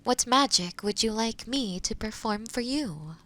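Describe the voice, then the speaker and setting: A gentle, teasing witch of the woods, acted by a woman in an intimate fantasy audio drama. She takes her time, pausing and humming thoughtfully. Her soft-spoken delivery rises and falls in an animated, welcoming way. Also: a little high, slight background noise. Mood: curious, musing. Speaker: audio roleplay performer. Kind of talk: intimate scripted audio roleplay.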